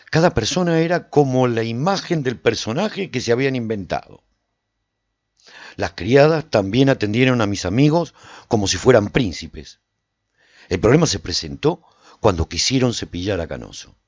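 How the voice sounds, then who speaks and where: A man playing a proud lone warrior who recounts his adventures in a theatrical, expressive first-person radio drama style. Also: medium pitch, no echo, highs cut off. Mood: amused storytelling. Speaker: narrator and lead actor of a radio serial.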